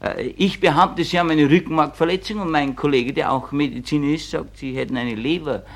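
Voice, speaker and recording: A man's voice: fairly high pitch, fairly quick, gravelly, a bit bright. A man voicing a pompous, stuttering male doctor.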